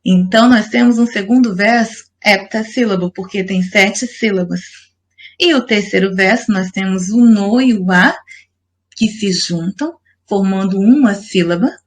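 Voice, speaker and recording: A woman's voice: medium pitch, a little slow. A woman teacher giving a recorded lesson, explaining step by step and asking her class questions. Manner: patient, explanatory, asks the class rhetorical questions.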